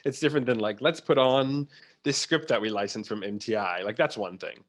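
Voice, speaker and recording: A man's voice: medium pitch, fairly quick. A man speaking as an interview guest, casual and anecdotal, dropping little quoted asides into his explanations. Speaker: theatre producer, interview guest.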